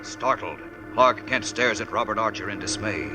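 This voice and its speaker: An actor playing a dramatic, suspenseful narrator of a 1940s radio adventure serial. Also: male voice, lowish voice, moderate pace, lightly acted, poor audio. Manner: theatrical, suspenseful. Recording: old radio broadcast with music behind.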